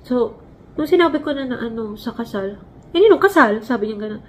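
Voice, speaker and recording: A woman in her forties from the Philippines, hosting a casual vlog and telling stories in an animated way, acting out quotes as she goes. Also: fairly high pitch, brisk. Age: 40s. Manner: animated, acts out quotes, laughs while telling. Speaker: vlog host. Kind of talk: casual storytelling chat. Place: home, Canada.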